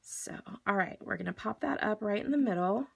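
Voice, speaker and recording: A woman's voice: mid-range voice, brisk, gravelly, breathy edge. A woman hosting a live card-making demonstration, chatty and gushing as she talks viewers through each step while working with her hands.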